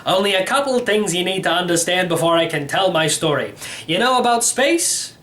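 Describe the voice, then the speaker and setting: A man's voice: high-pitched, lively intonation, moderate pace, a bit bright. Here is a man acting an eccentric elderly uncle from a children's storybook. He is brusque and emphatic, quizzing his listener like a self-appointed teacher and pressing each point home. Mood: brisk, lecturing. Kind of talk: storybook character reading.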